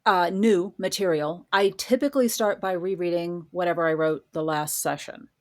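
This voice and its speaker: A woman's voice: on the low side, moderate pace. A woman talking casually as an interview guest, explaining things informally with examples. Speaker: guest author.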